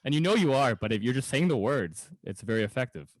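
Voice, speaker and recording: A man's voice: mid-range voice, animated, quick pace, dry recording, poor audio. A man hosting a casual podcast chat, inquisitive and rambling, often repeating his words as he goes. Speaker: podcast host.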